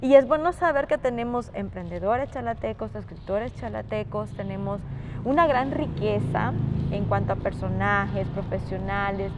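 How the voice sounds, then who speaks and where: A woman's voice: mid-range voice, moderate pace, heavy background noise. A woman hosting an interview, chatty and affirming toward her guest. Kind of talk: interview conversation.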